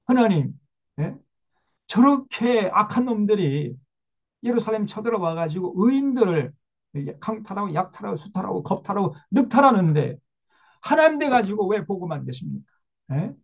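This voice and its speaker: A preacher acting out an indignant prophet. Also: male voice, sits high, gravelly, husky, dull audio, voice pushed up, full character voice. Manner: agitated, demanding questions. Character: indignant male prophet protesting to God.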